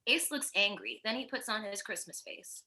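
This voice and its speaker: A woman's voice: mid-range voice, animated, normal speed, pushed and bright. A woman reading stage directions as scripted narration at a virtual table read.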